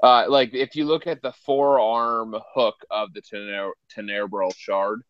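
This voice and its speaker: A man's voice: lowish voice, fairly even intonation, unhurried. Laid-back man on a phone line. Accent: Boston. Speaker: podcast co-host. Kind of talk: casual chat. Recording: dull phone audio.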